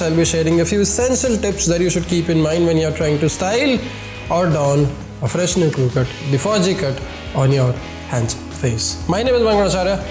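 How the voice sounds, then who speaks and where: A fairly high-voiced man with an Indian accent presents a grooming tutorial. He sounds nasal and stuffed up with a cold, and drives his points home by repeating phrases. The room is echoey, with music underneath. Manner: emphatic, rhetorical repetition. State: congested with a cold. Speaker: host of a men's grooming video series. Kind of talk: scripted-style hairstyle tutorial addressed to viewers. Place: home studio indoors.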